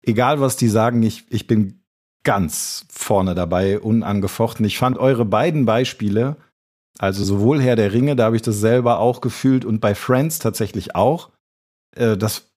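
A man's voice: lowish voice, normal speed, darkish tone. A man co-hosting a podcast in casual conversation. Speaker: podcast co-host.

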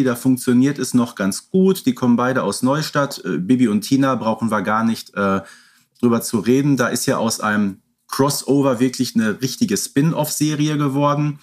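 Husky-voiced man chatting as podcast co-host. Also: medium pitch. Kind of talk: casual podcast conversation about audio dramas.

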